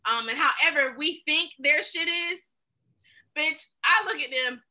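Bright, high-voiced African American woman. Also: measured pace. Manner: emphatic, slangy, swearing freely. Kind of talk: casual opinionated chat.

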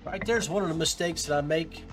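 A man's voice: fairly high pitch, a little fast, soft background music. A man hosting a podcast, casually talking viewers through advice with many fillers and restarts. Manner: coaching tone, giving tips to beginners. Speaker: podcast host.

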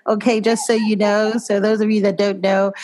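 A woman's voice: mid-range voice, level tone, moderate pace, a little mellow. Enthusiastic Nigerian woman hosting a podcast. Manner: enthusiastic, effusive. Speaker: podcast host.

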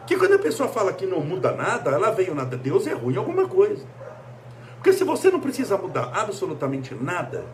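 A man's voice: high voice, slight background noise. A man from Brazil giving a motivational talk, full of emphatic rhetorical questions. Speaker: speaker.

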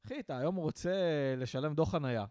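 A man's voice: a little high, no room sound. A young man co-hosting a podcast, ranting in casual chat and acting out what people say. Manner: animated ranting, acts out quotes. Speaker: podcast co-host.

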